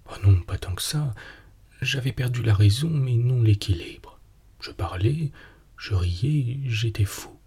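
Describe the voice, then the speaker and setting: A man voicing a remorseful, embarrassed husband in a whispered role-play, low, gravelly and hesitant. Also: animated, unhurried, warm tone, exaggerated voice. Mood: confessing. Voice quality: whispered, breathy. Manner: reluctant, hesitant.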